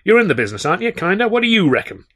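A man's voice: sits high, sing-song, a bit bright, pitched above the performer's own voice, full character voice. A man voicing a brash, boastful big male film producer who talks in a slangy, blustering way. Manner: blustering, fast-talking, slangy.

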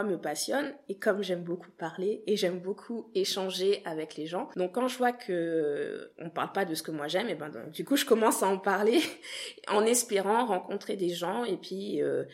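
A woman's voice: lowish voice, darkish tone. A young woman from Guadeloupe, a podcast creator answering interview questions in an earnest, thoughtful way with frequent hesitant restarts.

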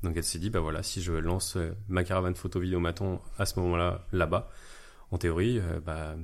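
A man in his thirties, a wedding videographer chatting as an interview guest in a relaxed, hesitant way with many fillers. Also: sits low, a little fast. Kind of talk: casual interview chat.

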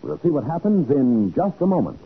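Announcer-narrator, male, scripted 1940s radio style, lively range, thin vintage broadcast sound. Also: on the high side, fairly quick, narrow, tinny audio. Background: music.

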